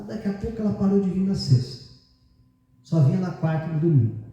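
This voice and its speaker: A man's voice: sits high, mellow. A male pastor with a Brazilian Portuguese accent telling a story in a sermon, talking conversationally and hedging over details as he recalls them. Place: large church hall. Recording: echoey church hall from far off.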